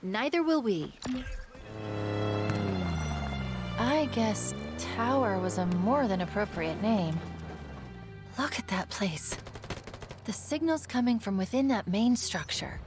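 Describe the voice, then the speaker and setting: A woman playing a confident, quippy young AI companion who briefs a soldier in a video game. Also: medium pitch. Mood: determined, wry. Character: young female AI companion, bright, wry, confident.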